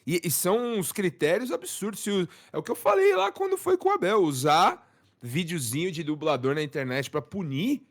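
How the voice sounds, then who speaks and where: A man co-hosting a live football talk stream in a casual, slangy, animated way. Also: sits high, normal speed. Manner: slangy, animated, with many fillers. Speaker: co-host commentator.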